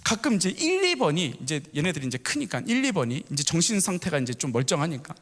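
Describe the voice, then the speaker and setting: A man's voice: fairly high pitch, big pitch swings, quick pace, a bit bright. A middle-aged male pastor giving a storytelling sermon that asks the congregation questions. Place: church sanctuary. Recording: echoey church hall.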